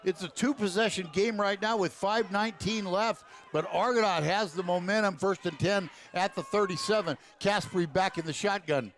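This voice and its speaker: A male play-by-play commentator with a high voice delivers an excited touchdown call. He works in short, clipped phrases, as on a live high school football radio broadcast. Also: moderate pace, few pauses.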